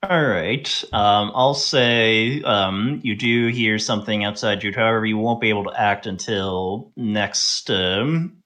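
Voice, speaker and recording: Male game master for tabletop play: slow, halting delivery with a bright, forward edge. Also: lowish voice. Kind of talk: improvised tabletop game narration.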